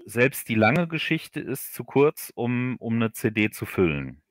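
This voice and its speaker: A man chatting as an interview guest on a livestream, explaining in a halting way and often repeating words. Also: mid-range voice, sing-song, no echo, studio quality. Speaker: guest audio drama writer. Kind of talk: casual interview chat on a livestream.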